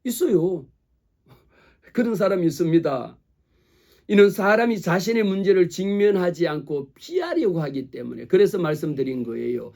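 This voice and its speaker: A man's voice: sits high, sing-song, normal speed, vocal fry, darkish tone. A male pastor preaching a sermon, talking straight to his congregation with rhetorical questions and acting out the voices he quotes.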